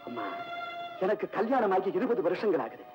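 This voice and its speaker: A middle-aged actor playing a husband in an old film drama, speaking in an earnest, pleading way. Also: male voice, high-pitched, wildly swooping pitch, moderate pace, dull audio. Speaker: grieving husband. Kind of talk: 1970s film drama acting. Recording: old film soundtrack with music.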